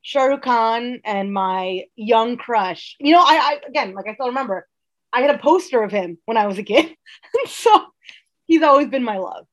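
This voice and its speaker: A woman's voice: a little high, lively intonation, normal speed, lo-fi sound. A woman in her thirties co-hosting a podcast, talking casually and conversationally. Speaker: podcast host.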